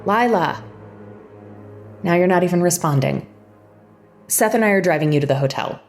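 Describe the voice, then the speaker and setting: A woman's voice: fairly low pitch, lively intonation, moderate pace, darkish tone. A woman playing a bossy but concerned sister in an audio drama, speaking in a blunt, sarcastic, insistent way. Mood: stern, insistent. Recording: music underneath the voice. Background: background music.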